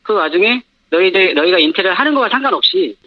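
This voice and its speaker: A man with his voice disguised by a pitch-shifting modulator, calling in as an anonymous former store owner and talking hesitantly with many fillers. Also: expressive, fast, no echo. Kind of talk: phone-in news interview. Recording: dull phone line.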